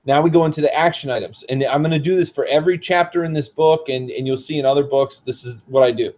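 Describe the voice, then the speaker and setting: Hoarse man reading from his book. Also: on the high side, fast talker, a little mellow, muffled recording. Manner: casual asides between read passages. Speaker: author. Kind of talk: reading aloud from his own book and explaining it.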